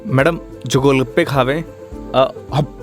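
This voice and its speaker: A man's voice: mid-range voice, steady tone, slow pace, faint music behind, natural voice. An actor playing a brash, bossy man, bullying a vendor.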